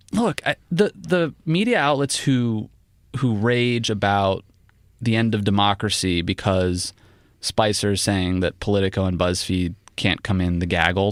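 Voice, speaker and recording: A male political journalist guest chatting casually on a podcast, rambling with many "like"s and jumpy pitch. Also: unhurried, dry recording, clean studio sound. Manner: rambling, many "like" fillers, animated pitch jumps.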